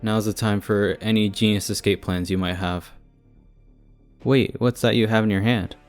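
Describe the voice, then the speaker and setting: A man's voice: lowish voice, steady tone, normal speed, soft background music, lightly acted. A young man playing a devoted, panicky boyfriend with casual, sarcastic asides in an audio roleplay. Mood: urgent, flustered. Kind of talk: ASMR audio roleplay acting.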